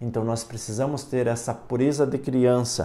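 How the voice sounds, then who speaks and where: A man with an ordinary speaking voice, medium in pitch, at a moderate pace. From Brazil. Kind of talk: sermon. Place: home room. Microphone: lapel.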